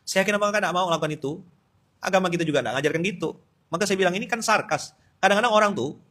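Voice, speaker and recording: Bright-voiced, animated Pontianak Malay preacher. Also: male voice, fairly high pitch. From Indonesia. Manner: lively, teasing, switches between loud outbursts and quiet asides. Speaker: Islamic preacher. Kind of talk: dawn study-circle sermon.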